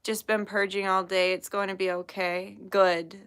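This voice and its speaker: A woman's voice: mid-range voice, flat delivery, normal speed, fairly bright tone, clean tone. A young woman hosting a tarot livestream, chatting casually with viewers, swearing freely and laughing often. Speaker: tarot reader livestream host. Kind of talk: casual livestream chat, reading chat messages.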